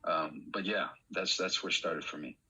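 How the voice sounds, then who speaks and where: A man's voice: deep voice, moderate pace, bright, forceful tone, husky. A man speaking as a panel guest in a rambling, laid-back way. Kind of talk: panel discussion. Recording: dull lo-fi sound.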